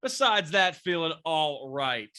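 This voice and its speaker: A man's voice: a little high, sing-song, slow, bright, forceful tone, clean tone. A man in his twenties, congested from a cold, hosting a casual sports podcast and rambling with lots of fillers and restarts. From Washington State, near Seattle. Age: 20s. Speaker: podcast host, sports beat writer.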